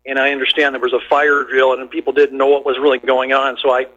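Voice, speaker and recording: A man calling into a radio show, reasoning aloud in a measured way. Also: mid-range voice, little pitch movement, fairly bright tone, highs cut off. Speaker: caller. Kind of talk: phoned-in radio call.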